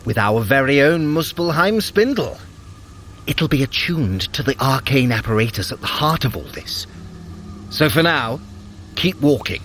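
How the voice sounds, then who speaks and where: A sly, theatrical trickster god. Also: male voice, medium pitch, lively intonation, a little slow, a bit bright, slight background noise. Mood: focused. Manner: wry, theatrical, articulate. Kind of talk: scripted audio drama acting.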